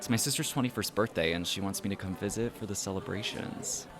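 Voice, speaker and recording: A man's voice: fairly low pitch, fast talker, music in the background, lightly acted. An actor playing an easygoing young man who jokes and reassures his friends in an audio drama, speaking casually. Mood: wry, casual. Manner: casual, joking. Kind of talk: acted dialogue in an audio drama podcast.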